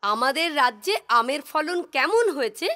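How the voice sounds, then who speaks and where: A woman's voice: sits high, sing-song, moderate pace, pushed and bright, heavily acted. A woman voicing a proud, boastful queen in a cartoon, speaking in a haughty, insistent manner. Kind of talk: cartoon voice acting.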